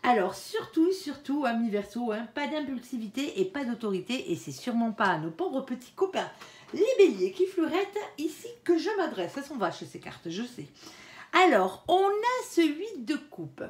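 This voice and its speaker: A chatty woman reads tarot cards aloud in a lively, fairly high voice that swoops up and down. She fills her talk with small interjections and softly asks her guardian angel for guidance. The sound is roomy, with a clear echo. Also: normal speed. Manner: chatty, peppers speech with "hein" and "alors". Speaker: tarot card reader. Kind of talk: casual spoken tarot reading to viewers. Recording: echoey room.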